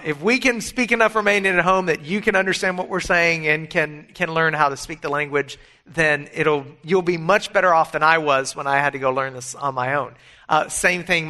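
A man's voice: fairly high pitch, bright, forceful tone. A middle-aged man preaching a sermon, earnest and emphatic, mixing scripture with personal stories. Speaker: pastor.

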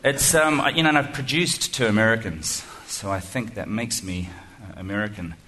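A man's voice: fairly low pitch, normal speed, pushed and bright, slight background noise. A man with a New Zealand accent giving a self-deprecating, chatty speech to an audience, full of ums and restarts. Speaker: guest speaker. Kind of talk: humorous keynote speech. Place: lecture hall before an audience.

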